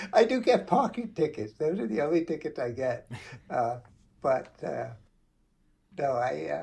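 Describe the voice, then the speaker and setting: Speaking fairly slowly with long, frequent pauses, a man with a New York accent has a fairly high pitch, very wide pitch swings, a dark, mellow tone and vocal fry. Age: 60s. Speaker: psychology professor. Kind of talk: casual interview conversation.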